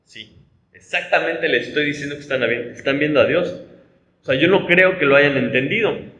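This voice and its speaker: A man's voice: on the high side, normal speed, sharp tone, roomy sound, highs cut off. A man from Mexico with a Mexican Spanish accent, a pastor teaching a conversational Bible study, explaining with rhetorical tags and frequent restarts.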